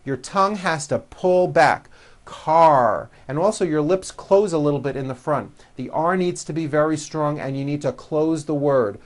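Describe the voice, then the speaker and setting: A pronunciation teacher narrating a language lesson, giving instructions and enunciating example words with deliberate emphasis for the learner to repeat. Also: medium pitch. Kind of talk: language lesson narration with slow, repeat-after-me word drills.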